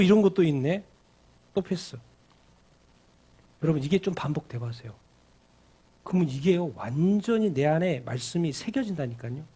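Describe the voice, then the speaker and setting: Husky, mellow-voiced pastor preaching. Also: male voice, fairly high pitch. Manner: animated preaching, asks the congregation questions and answers himself; repeats phrases for emphasis. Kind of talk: sermon.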